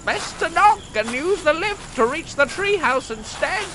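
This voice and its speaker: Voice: extremely high pitch, lively intonation, a little slow, music in the background. An actor voicing a sassy female talking chicken in an audio drama, with a blunt, snippy manner. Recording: faint background noise.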